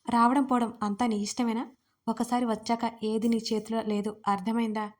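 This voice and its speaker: A woman's voice: a little high, little pitch movement, normal speed, close to an everyday voice. A woman voicing a stern, possessive young husband in a romance audio story, curt and commanding.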